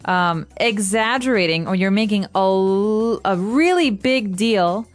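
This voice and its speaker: A woman's voice: mid-range voice, lively intonation, a little slow, faint music behind. Woman co-host explaining phrases. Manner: explains phrases with acted example lines. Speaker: podcast co-host. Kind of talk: casual teaching chat.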